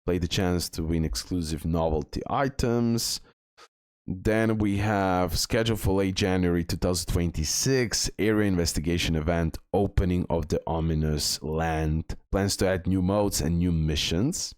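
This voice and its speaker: Man, very low voice, casual gaming commentary, lots of filler sounds, dry close sound. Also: moderate pace, a little mellow, smooth, no echo. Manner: talks through on-screen images with frequent "uh" fillers. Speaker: gaming video creator.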